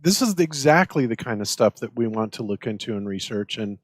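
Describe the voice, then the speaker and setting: A man's voice: medium pitch, expressive, fairly quick, dry recording. A man casually hosting a talk show with other guests. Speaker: show host.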